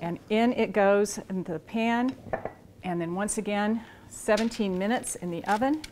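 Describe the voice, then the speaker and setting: A woman's voice: mid-range voice, moderate pace, background noise. A woman in her sixties hosting a cooking demonstration in a large home kitchen, chatting casually as she works with her hands. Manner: relaxed and chatty, talking while working with her hands. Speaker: cooking show host.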